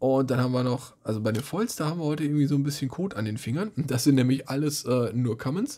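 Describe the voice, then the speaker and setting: A man's dark, mellow, somewhat breathy voice. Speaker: tabletop gaming YouTuber. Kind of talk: unboxing video. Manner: casual, chatty.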